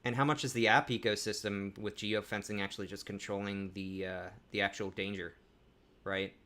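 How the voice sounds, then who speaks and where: A man co-hosting a live panel talk, speaking in a relaxed, conversational way with frequent restarts. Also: fairly low pitch, moderate pace. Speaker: co-host.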